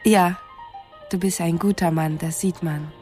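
An actress playing a sweet, solicitous long-distance sweetheart, speaking gently and politely in a radio drama. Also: female voice, on the low side, steady tone, a little slow, faint music behind, close to an everyday voice. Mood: gentle, affectionate.

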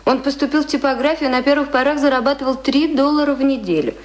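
A woman's voice: high-pitched, quick pace, lightly acted. An actress playing an earnest, refined young woman in a radio play, speaking precisely and instructively. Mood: earnest, admiring. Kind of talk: theatrical radio play acting.

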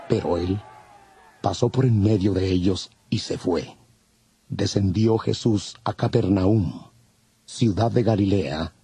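Low, mellow male scripture narrator. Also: slightly rough. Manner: measured, formal. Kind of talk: scripted dramatized Bible narration.

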